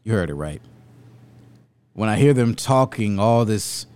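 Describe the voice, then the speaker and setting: A man's voice: on the low side, animated, unhurried, darkish tone, smooth. A man hosting an opinionated video commentary, speaking in an emphatic, rhetorical and indignant way. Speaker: commentary host.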